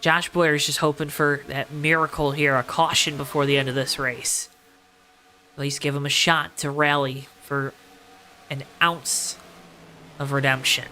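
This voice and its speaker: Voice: mid-range voice, little pitch movement, a little slow, bright, forceful tone, slight background noise. A motorsport commentator calling a race live, with dramatic, emphatic repetition and colorful phrasing. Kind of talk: live play-by-play racing commentary.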